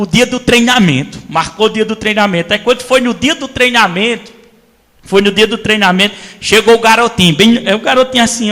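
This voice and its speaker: A male pastor from Brazil, preaching a sermon as animated storytelling and acting out voices. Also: high voice, big-room sound. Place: church hall.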